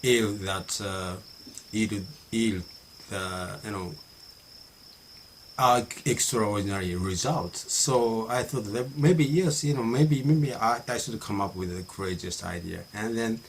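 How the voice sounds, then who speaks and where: Middle-aged Japanese man, talking alone, Japanese accent, low-pitched voice, halting delivery packed with fillers and restarts, faint hiss under the voice. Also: low-quality recording. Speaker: vlogger practicing English. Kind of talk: casual solo monologue.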